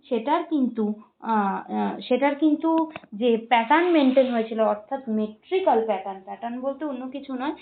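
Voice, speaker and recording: A woman teacher going through exam questions, reading each option slowly and explaining patiently. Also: high voice. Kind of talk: exam-prep lecture. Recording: tinny phone-like sound.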